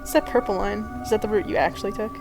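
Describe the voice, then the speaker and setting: A woman's voice: mid-range voice, racing, creaky. A woman co-commentating on a video game in casual chat, wry and full of questions. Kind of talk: casual let's play chat. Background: video game music.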